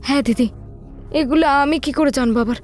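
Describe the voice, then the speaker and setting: একজন মহিলা অডিও ভূতের গল্পে কনের উদ্বিগ্ন, বিনীত মায়ের ভূমিকায় কাতর ভঙ্গিতে কথা বলছেন।. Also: female voice, high-pitched, fairly quick, faint music behind, close to an everyday voice. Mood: defensive, flustered. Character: anxious, deferential village mother of a bride. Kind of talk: audio horror story dialogue.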